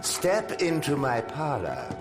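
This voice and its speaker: An actor playing an elegant, sinister funeral director in an audio drama, with formal, unctuous manners and false sympathy. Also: male voice, fairly high pitch, wildly swooping pitch, takes it slowly, over loud music, heavily acted. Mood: silky, welcoming. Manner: unctuous, formal, ornate phrasing.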